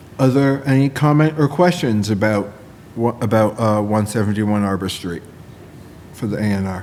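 Audible room echo surrounds a man speaking at a medium pitch and moderate pace. His intonation is lively, broken by long, frequent pauses. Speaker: planning board chair. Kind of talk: public meeting. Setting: town hall meeting, also on Zoom. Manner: slightly slurred speech.

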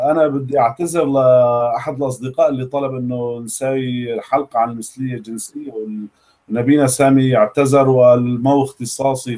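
This man talks at a fairly slow pace, his medium-pitched voice dark and mellow in tone. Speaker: online talk show host. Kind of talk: casual chat. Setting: video call. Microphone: webcam.

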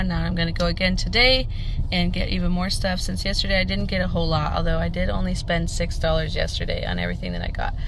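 Over noticeable background noise, a woman speaks at a fairly quick pace in a dry sound with no echo. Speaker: thrift haul vlogger. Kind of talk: casual vlog chat. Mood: hopeful, lightly joking. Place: car. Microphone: phone near.

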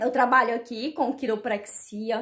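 An animated tone at a fairly slow pace against a quiet background. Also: woman. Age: 30s. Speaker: massage therapist. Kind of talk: testimony. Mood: warm, grateful, upbeat. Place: office. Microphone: phone near.

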